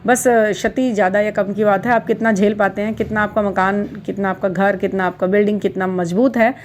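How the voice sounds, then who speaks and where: A middle-aged woman talks warmly and unhurriedly to her followers about spiritual matters. Her voice sits at an ordinary middle pitch, and she often repeats words to press a point home. English terms come up often in her Hindi. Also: fairly even intonation, fairly quick, slight background noise. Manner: gentle, reassuring, repeats words for emphasis. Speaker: spiritual guidance channel host. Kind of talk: casual talk to viewers.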